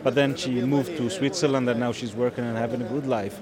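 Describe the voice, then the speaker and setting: Sixties man from Tunisia, earnest and halting English, crowded street behind him. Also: mid-range voice, fairly even intonation. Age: 60s. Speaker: interviewee. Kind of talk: field interview. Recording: outdoor field recording with crowd noise.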